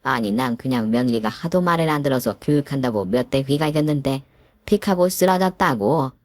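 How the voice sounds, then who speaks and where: Woman reading a sneering mother-in-law for a narrated story; very low voice, dry close mic. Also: expressive, fairly quick, no room sound. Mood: defensive. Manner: scornful, bullying, stammers when cornered. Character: spiteful scheming middle-aged mother-in-law.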